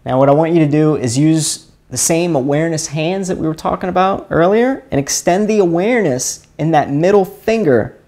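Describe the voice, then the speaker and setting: A man's voice: on the high side, moderate pace, few pauses, darkish tone. A man with a Louisiana accent from around Chalmette, hosting a live stream and talking casually through a hands-on exercise, rambling and often repeating himself. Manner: rambling, fumbling, repeats words. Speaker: live stream host teaching energy healing.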